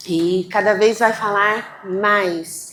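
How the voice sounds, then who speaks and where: A woman hosting a live event, talking to the audience in an energetic, quick and restless way. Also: mid-range voice. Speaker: event host. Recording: echoey room, faint noise.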